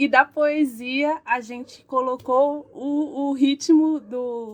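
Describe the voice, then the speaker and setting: A woman's high-pitched voice at a very slow pace, with fairly even intonation and big swings in loudness. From São Paulo east side periphery (born in Pernambuco, moved at two). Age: 30s. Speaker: feminist activist and educator. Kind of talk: podcast interview monologue.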